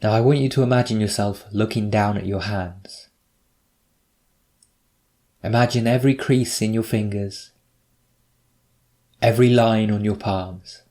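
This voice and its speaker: A man narrating a scripted guided meditation, giving measured, instructive prompts with pauses between them. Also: on the low side, fairly even intonation, warm tone.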